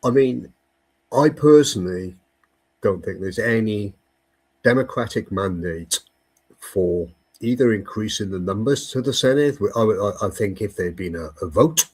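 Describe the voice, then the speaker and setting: Husky low-voiced man from Wales. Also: expressive, unhurried, a little mellow. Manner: earnest, stumbling repetitions. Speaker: campaigner guest. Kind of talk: political interview.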